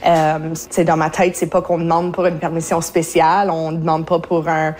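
Mom on the radio, bit low voice, lots of umms and restarts. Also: female voice, flat delivery, normal speed, a little mellow. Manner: hesitant, many fillers and restarts. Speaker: parent interviewed on radio. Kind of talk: radio interview.

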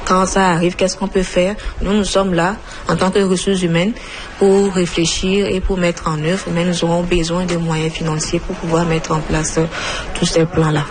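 A woman doctor explaining in a measured, steady way, pausing to find her words. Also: on the low side, noisy background. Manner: measured, explanatory, with pauses and fillers. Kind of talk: interview answers.

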